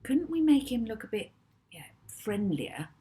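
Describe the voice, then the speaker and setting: A woman's voice: a little high, sing-song, unhurried, mellow, pitched above the performer's own voice. A woman voicing a kind, curious boy who speaks eagerly and sometimes in a whisper. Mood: earnest.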